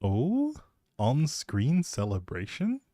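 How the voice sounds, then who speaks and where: A man's voice: medium pitch, wildly swooping pitch, slow pace, dark tone, no echo, clean studio sound. A young man rambling casually on a game livestream, playful and jokey as he chats back to viewers. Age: young adult. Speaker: live streamer and audio creator.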